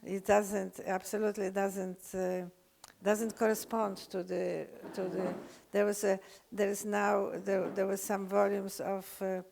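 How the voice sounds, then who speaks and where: An older woman with a Polish accent, lecturing unscripted, halting often with fillers and restarts. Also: mid-range voice, level tone, gravelly, darkish tone. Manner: hesitant, many fillers and restarts.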